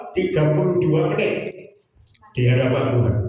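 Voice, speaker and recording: Audible room echo surrounds this man's speaking voice. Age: 70s. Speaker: pastor. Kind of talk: sermon.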